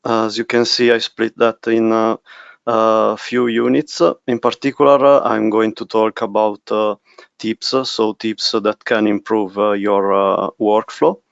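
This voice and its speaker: Italian guy presenting a webinar, flat gravelly voice, lots of uh pauses. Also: on the low side, dry recording, highs cut off. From Italy. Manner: halting, many filler pauses. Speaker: technical specialist presenter.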